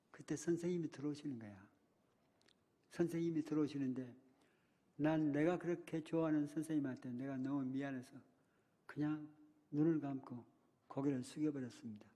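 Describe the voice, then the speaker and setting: In a church hall full of lingering echo, an older preacher with a darkish, somewhat high voice speaks at an ordinary pace, pausing frequently. His sermon recounts a childhood memory, which he performs dramatically by voicing the childhood cries and what a teacher said.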